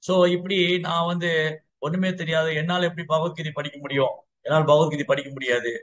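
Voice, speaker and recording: A man's voice: a little high, flat delivery, normal speed, a little hiss or hum, natural voice. A man voicing a humble, illiterate brahmin who pleads in a self-deprecating way. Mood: humble pleading.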